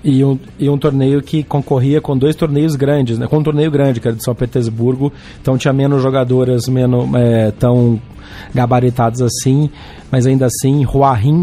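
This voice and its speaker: A Brazilian man hosts a relaxed sports podcast. His voice is hoarse and honking, breaking out of tune at times from a sore throat, over a mellow, low-brightness tone. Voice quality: hoarse, honking voice with occasional cracks. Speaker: podcast host. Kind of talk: casual sports podcast talk about tennis.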